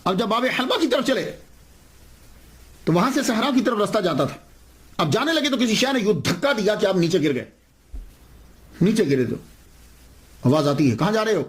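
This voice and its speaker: A man's voice: high-pitched, very animated, pauses often. A man giving a religious lecture as a story, repeating key phrases and answering his own questions.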